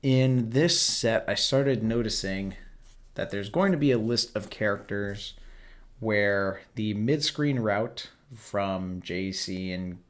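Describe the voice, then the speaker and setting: A man with a somewhat low voice that sounds hoarse and worn out, as if strained from shouting. He talks in a relaxed, explanatory way, coaching the listener while he reviews game footage. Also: slow pace. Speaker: host. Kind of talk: casual commentary over gameplay footage.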